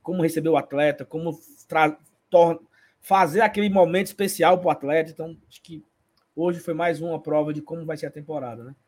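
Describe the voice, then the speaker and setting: A husky, high-pitched man hosts a casual live fan show. He reads viewer comments aloud in a playful, chatty way, greeting each one. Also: fairly even intonation, fairly quick, a little mellow. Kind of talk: casual live-stream chat.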